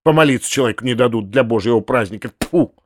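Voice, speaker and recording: A man voicing a hot-tempered, grumbling landowner who snaps with gruff sarcasm. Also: medium pitch, quick pace, dry recording, clean studio sound, lightly acted.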